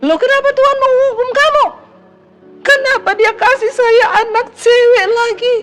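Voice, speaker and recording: A woman's voice: very high-pitched, expressive, quick pace, fairly bright tone, faint music behind, voice pushed up. A woman preacher voicing a distraught young mother who pleads tearfully on the phone.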